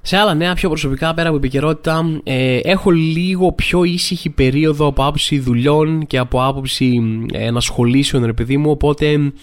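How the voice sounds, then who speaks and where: A man with a slightly high voice hosts a casual solo podcast. He rambles, restarts his sentences and fills them with small asides. He tells stories in a comic, chatty way. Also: hardly any pauses. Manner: acts out quoted people with sudden pitch jumps. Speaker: podcast host. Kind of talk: casual comedic monologue podcast.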